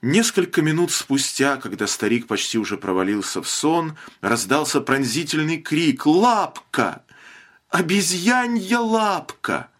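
Male audiobook narrator, measured expressive reading of a dark story. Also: mid-range voice.

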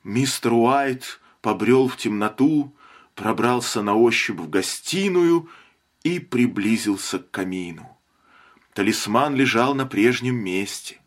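Male audiobook narrator, measured expressive reading of a dark story. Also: medium pitch.

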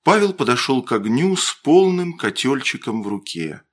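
A man reading a classic story aloud in slow, expressive literary narration. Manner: slow, expressive reading with wide pitch movement.

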